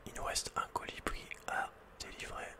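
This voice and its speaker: Whispering man, ASMR game commentary. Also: normal speed. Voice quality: breathy, unvoiced whisper. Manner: playful, casual, slangy. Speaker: video game streamer and ASMR creator.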